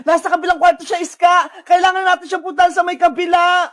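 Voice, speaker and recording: A woman voicing a worried friend searching for a lost girl, urgent and calling out loudly. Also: very high-pitched, steady tone, quick pace. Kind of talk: Tagalog cartoon voice acting.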